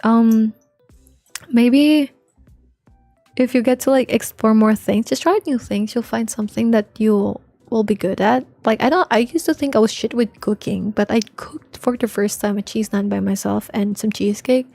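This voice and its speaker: A woman livestreamer with a soft, quiet voice, chatting informally and playfully with viewers and swearing now and then. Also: normal speed, vocal fry, no room sound. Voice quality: soft, low-volume voice, unlike their usual loud one. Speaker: live streamer. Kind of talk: casual livestream chat with viewers. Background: faint music.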